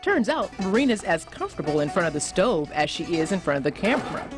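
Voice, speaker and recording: Woman presenter, very lively intonation, scripted voice-over, music underneath. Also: on the low side, quick pace. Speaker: TV host and narrator. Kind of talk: scripted narration.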